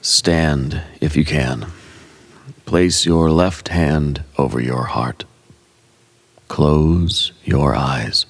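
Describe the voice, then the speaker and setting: Male narrator for esoteric ASMR meditation; heavy vocal fry, husky breathy tone, solemn, measured and hushed delivery. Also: rumbling low. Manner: solemn, hushed, deliberate, with short measured phrases. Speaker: host and narrator of a meditative radio show. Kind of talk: ASMR guided meditation, slow dreamlike scripted narration.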